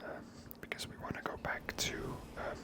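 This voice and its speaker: This is a whispered voice close to the microphone, giving ASMR game commentary. The host muses aloud in a hushed, unhurried manner, never rising to full voice. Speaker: gaming video host.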